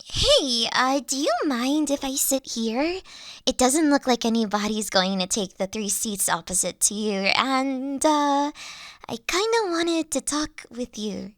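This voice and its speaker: A woman's voice: high voice, measured pace, no echo, studio quality. A woman playing a huge, friendly, nerdy young dragon college student in a roleplay audio drama, talking in a bubbly, awkward, hesitant way. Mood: shy excitement.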